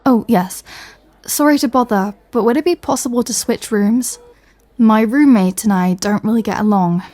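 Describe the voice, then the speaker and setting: A woman's voice: on the high side, moderate pace, warm tone, no echo, lightly acted. A woman playing a sardonic, fed-up superhero in a comedy audio roleplay, speaking in a dry way. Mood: polite, awkward. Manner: dry, irritated, sarcastic.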